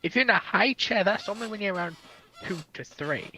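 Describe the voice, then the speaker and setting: Young male, early twenties, animated intonation, teasing and inquisitive conversational delivery. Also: high voice, a little fast. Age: early 20s. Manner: teasing, questioning. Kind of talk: casual group chat on a livestream.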